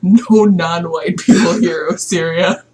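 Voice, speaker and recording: A woman's voice: fairly low pitch, unhurried, darkish tone. A woman co-hosting a game playthrough, chatting casually and reading the game's text aloud into a headset.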